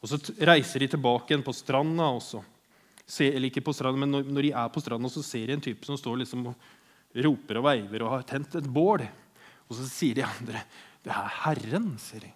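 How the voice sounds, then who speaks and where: A man delivering a heartfelt sermon in Norwegian. He talks with quiet earnestness and often speaks the lines of the people in the passage he retells. His voice sits at an ordinary middle pitch for a man. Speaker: preacher.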